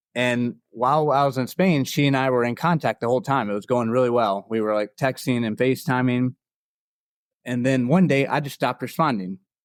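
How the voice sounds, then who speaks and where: A normal speaking voice moves at a fairly quick pace on a very clean recording with a silent background, dry and close with no echo. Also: man, medium pitch for a man, ordinary pitch variation. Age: 30s. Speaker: guest with brain injury. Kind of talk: interview storytelling.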